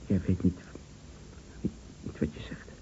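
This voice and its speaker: A man's voice: a little slow, dark tone, close to an everyday voice. An actor playing a shaken, earnest friend in a Dutch radio play, hesitant and repeating his words. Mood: guarded, strained. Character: shaken, earnest male friend, polite and stammering. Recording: dull, noisy old radio recording.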